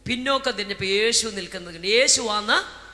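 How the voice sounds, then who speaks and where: A woman's voice: medium pitch, fairly quick. Woman preacher in a reverberant hall. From Kerala, India. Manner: swings between shouted tongues and soft, intimate storytelling; keeps interjecting praise words between phrases. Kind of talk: Pentecostal sermon with speaking in tongues. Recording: reverberant hall with music behind.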